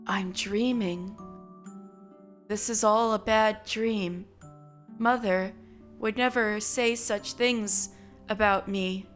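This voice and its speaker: A woman's voice: mid-range voice, fairly even intonation, slow pace, long pauses, faint music behind, pitched below the performer's own voice, lightly acted. Woman playing a haunted, guilt-ridden mother. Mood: fearful. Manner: anxious, brooding inner monologue. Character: frightened, guilt-ridden mother of a strange child.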